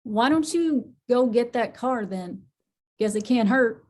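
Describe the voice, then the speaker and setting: A woman's voice: a little high, animated, slow pace, darkish tone. A woman playing a tough, foul-mouthed small-town matriarch, blunt and folksy, in a drama table read. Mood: brusque.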